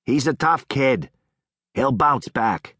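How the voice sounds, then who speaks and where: A gruff, husky hot dog seller with a thick Boston accent, put on by a man reading an audiobook. He growls out short remarks at a stand outside a ballpark. The booth is dead dry. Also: medium pitch, lively intonation, takes it slowly, fairly bright tone, no room sound, voice pushed up, full character voice. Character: burly husky-voiced father selling hot dogs.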